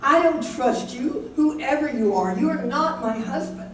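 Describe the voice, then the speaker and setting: A woman's voice: high-pitched, lively intonation, unhurried. A woman playing a confused, suspicious older wife with Alzheimer's, indignant and bewildered, in a staged reading. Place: live staged reading in echoey room. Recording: very echoey room, distant, faint noise.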